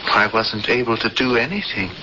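Earnest doomed rebel prisoner, old radio play, bright forceful voice, formal wording, muffled hissy tape. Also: male voice, medium pitch, moderate pace. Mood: resigned. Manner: formal, solemn phrasing. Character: earnest, fatalistic male prisoner and would-be rebel. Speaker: actor playing a cellmate. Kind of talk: 1970s radio drama acting. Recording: dull, noisy vintage radio broadcast.

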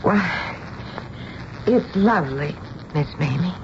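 Casting: reassuring, firm mother in radio drama; lower register, gently persuasive; dull old broadcast sound. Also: animated, background noise. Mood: gently probing. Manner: earnest, measured, gently persuasive. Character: kind, firm middle-aged mother, sympathetic and reassuring. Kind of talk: old-time radio drama acting and first-person narration.

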